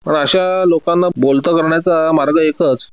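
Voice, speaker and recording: A man reading a story, voicing a shrewd male detective who speaks in a measured, soothing way to win trust. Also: a little high, steady tone, smooth, no echo, dull audio, close to an everyday voice. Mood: coolly probing.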